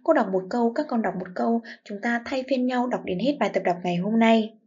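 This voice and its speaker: Expressive female teacher reading aloud. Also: on the high side, muffled recording. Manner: slow, clear model reading with expressive phrasing. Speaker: primary school teacher. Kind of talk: reading lesson for young pupils.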